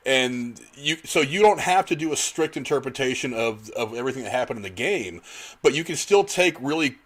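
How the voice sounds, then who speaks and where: A man's voice: mid-range voice, lively intonation, a little fast, a bit bright. A man hosting a casual panel discussion, rambling a little as he talks at length. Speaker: podcast host moderating a discussion.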